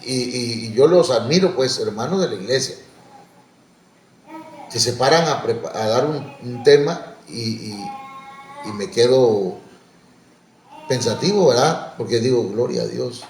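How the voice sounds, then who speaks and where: Echoey preacher, folksy sermon. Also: male voice, medium pitch, animated, measured pace, long pauses, darkish tone, a little hiss or hum. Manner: folksy, storytelling with asides and restarts; exhorting, rising on calls to serve. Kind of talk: conversational sermon. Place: church. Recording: echoey church recording.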